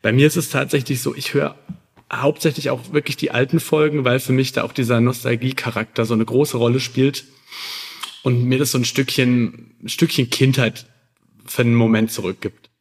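A man's voice: mid-range voice, flat delivery, moderate pace, vocal fry. A man chatting casually as a guest on a podcast. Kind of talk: casual chat.

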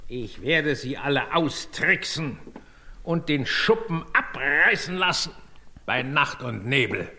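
A man's voice: fairly high pitch, animated, slow, bright, forceful tone, heavily acted. A man playing an oily, scheming property tycoon in a children's audio drama, gloating and wheedling theatrically. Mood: gloating, sly.

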